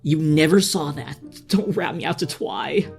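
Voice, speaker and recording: Lady doing a nervy little boy dragon, gravelly crackly voice, cartoon comedy with music under it. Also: deep voice, measured pace, darkish tone, full character voice. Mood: embarrassed. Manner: worried, hesitant, pleading. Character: anxious young male cartoon dragon sidekick. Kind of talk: dramatised comedic fan fiction reading.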